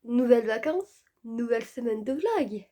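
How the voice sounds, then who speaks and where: A woman's voice: on the high side, lively intonation, normal speed, background noise. A woman in her twenties chatting casually to her viewers, her voice stuffy and worn from a head cold, rambling with lots of fillers. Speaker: vlogger.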